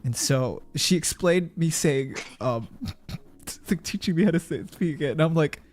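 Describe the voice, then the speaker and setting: A man hosting a casual stream, chatting in an animated way and laughing often. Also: on the high side, a little slow. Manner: animated, laughs often, usually shouts into mic. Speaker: streamer host. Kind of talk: casual chat while crocheting.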